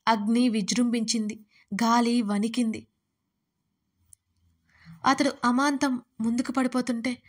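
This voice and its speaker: A woman narrating her own emotional love story in the first person, with dramatic, tearful storytelling. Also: on the high side. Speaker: writer and narrator of audio stories.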